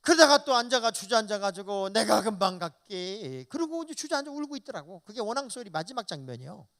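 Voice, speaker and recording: Lively, high-voiced male pastor preaching. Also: fast. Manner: animated, folksy, acts out quoted dialogue. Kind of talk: revival sermon. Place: church.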